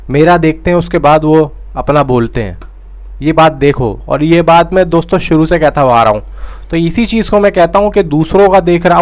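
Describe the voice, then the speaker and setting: A young man giving a casual, insistent film news update to his viewers, repeating himself and calling them brothers and friends. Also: on the high side. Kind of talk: casual direct-to-camera update.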